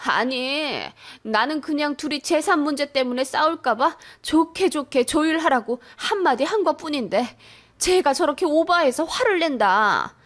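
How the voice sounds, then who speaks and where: A woman voicing a scheming older mother-in-law who talks down loudly in a radio story. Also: sits high, expressive, normal speed, pitched above the performer's own voice. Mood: self-pitying. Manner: loud, wheedling, talks down.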